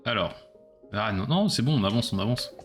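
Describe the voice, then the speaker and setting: A man's voice: lowish voice, lively intonation, fairly quick, soft background music. A man casually commenting on his own gameplay during a live stream, chatty and self-mocking as he talks to his chat.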